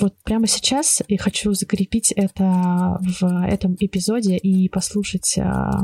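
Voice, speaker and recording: A woman with an ordinary speaking voice, a medium pitch and fairly even intonation, in a dry, close sound with no echo. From Kazakhstan. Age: 20s. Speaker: podcast co-host, project manager. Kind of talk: casual chat.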